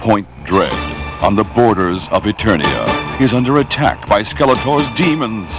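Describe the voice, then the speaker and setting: A man's voice: fairly low pitch, moderate pace. A man narrating a cartoon adventure in a dramatic, scripted style. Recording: lo-fi audio under loud music.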